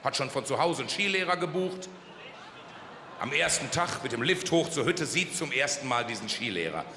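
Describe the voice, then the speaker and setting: A man doing stand-up jokes at a carnival event, telling stories punchily and sometimes shouting. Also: mid-range voice, animated, normal speed, slight background noise. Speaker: carnival comedian. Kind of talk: stand-up joke telling on stage. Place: large carnival hall stage. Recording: echoey hall with long reverb.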